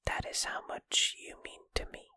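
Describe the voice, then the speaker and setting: A performer voicing a shy, gentle, lovestruck ghost in an ASMR roleplay, in a breathy, soft, hesitant and tender whisper. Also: moderate pace, dry recording, studio quality. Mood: tender, devoted. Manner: bashful, tender, hesitant, intimate. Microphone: close microphone, dry.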